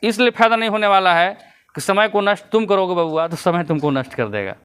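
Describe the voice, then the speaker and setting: A man's voice: high voice, brisk, fairly bright tone, smooth. A man giving casual vlog commentary, lecturing his viewers and chuckling between points. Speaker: YouTube commentator.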